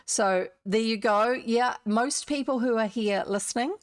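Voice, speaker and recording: A woman's voice: on the high side, a little slow, no room sound. A woman with a New Zealand accent chatting casually and in a rambling way to viewers as a livestream host. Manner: chatty, rambling, self-interrupting asides. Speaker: livestream host who reads old books aloud.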